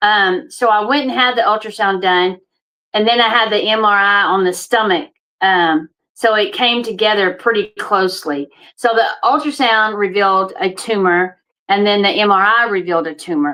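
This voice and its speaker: A woman with a plain, everyday voice talks at a moderate pace and medium pitch, with ordinary pitch variation and very even loudness. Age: 60s. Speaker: cancer patient sharing testimony. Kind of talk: testimony.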